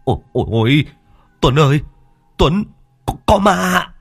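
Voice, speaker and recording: A man's voice: extremely low pitch, expressive, moderate pace, darkish tone, breathy edge, no echo, studio quality, soft background music, exaggerated voice. A man voicing a frightened young man on night patrol, stammering with fear in a ghost story. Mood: panicked shouting.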